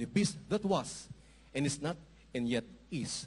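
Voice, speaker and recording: This man's voice is fairly high-pitched and somewhat breathy, with lively intonation. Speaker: Bible reader. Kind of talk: reading aloud. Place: church. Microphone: handheld.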